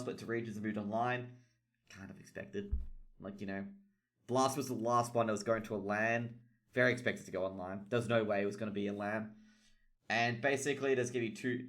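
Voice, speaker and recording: A man's voice: mid-range voice, a bit bright. A young Australian man, an esports caster, chatting casually about tournament news, rambling with lots of fillers and swearing. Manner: rambling, swears a lot, heavy filler words. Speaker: esports caster and streamer host.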